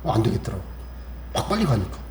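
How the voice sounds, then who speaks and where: Korean pastor preaching in an echoey church. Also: male voice, lowish voice, very animated, fast talker, a little mellow. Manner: conversational preaching, acts out little exchanges and quotes scripture. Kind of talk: Sunday sermon. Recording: echoey church room, faint hiss.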